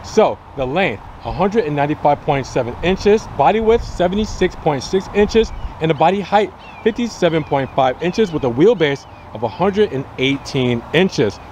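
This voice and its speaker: Young guy doing a car review outside on a dealer lot, kinda high voice, chatty, a bit of wind noise. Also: animated, normal speed, hardly any pauses, a little mellow. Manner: chatty, upbeat, addresses viewers as guys. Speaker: car reviewer, channel host. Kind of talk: casual car review to camera. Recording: faint outdoor noise. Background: light wind and outdoor ambience.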